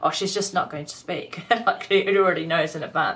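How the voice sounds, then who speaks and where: A woman speaks in a New Zealand accent with ordinary pitch variation. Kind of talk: casual talk to camera. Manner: hesitant, halting.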